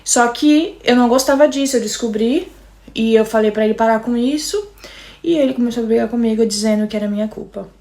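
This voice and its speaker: Brazilian woman, young, personal testimony, emotional and direct, gravelly fry. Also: on the high side, fairly quick, a little mellow. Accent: Brazilian Portuguese. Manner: emotional, keeps addressing listeners directly. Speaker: guest telling her story. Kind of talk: personal storytelling to an audience.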